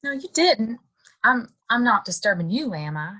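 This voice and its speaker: An actress playing a wistful young saloon woman in a Western audio drama, curious and hesitant, with expressive pauses. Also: fairly high pitch, husky, exaggerated voice. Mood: coy, probing.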